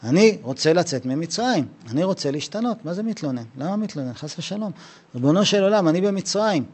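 A man gives a Torah lesson about leaving Egypt in a casual, slangy way. He keeps slipping into imagined dialogues and plays each side himself. His voice sits a little high for a man. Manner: animated, acts out both sides of imagined conversations; slangy, conversational. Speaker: Torah teacher. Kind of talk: Passover lesson with acted dialogue.

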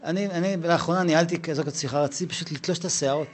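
Before a live audience, a middle-aged man teaches Torah in an animated, conversational style, his voice a little high. He acts out dialogues, raising his voice to play them.

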